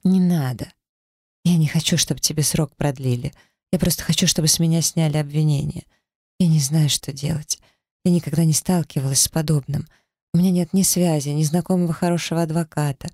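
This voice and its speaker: A man's voice: a little high, fairly even intonation, a little fast, warm tone, no echo, studio quality, pitched above the performer's own voice. A man voicing a frightened young woman who pleads through tears in an audiobook. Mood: pleading. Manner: pleading, tearful.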